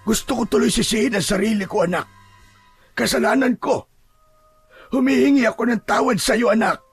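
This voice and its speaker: Man playing a very husky old grandfather. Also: very high-pitched, brisk, no echo, soft background music, exaggerated voice. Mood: remorseful. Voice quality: gravelly, husky. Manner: earnest, soothing. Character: gentle, remorseful old grandfather consoling his daughter. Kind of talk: Filipino audio drama acting.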